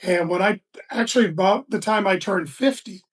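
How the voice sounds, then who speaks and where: A man in his sixties, a guest telling relaxed stories in a casual interview, with frequent restarts and fillers. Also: high-pitched, moderate pace. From Florida, USA. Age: 60s. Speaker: guest, business founder. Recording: distant mic.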